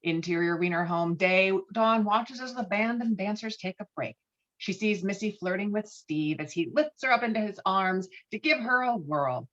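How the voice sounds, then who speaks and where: A woman narrates stage directions for a script read. Her mid-pitched voice moves animatedly up and down, and the audio is slightly dull and lo-fi. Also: expressive, moderate pace, fairly bright tone. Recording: dull, lo-fi online call audio.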